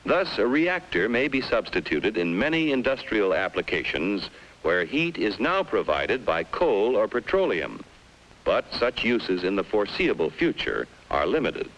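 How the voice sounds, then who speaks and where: An American man narrating a scripted 1950s educational film in an emphatic, dramatic manner with deliberate pauses. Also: fairly low pitch, sing-song, a bit bright, poor audio.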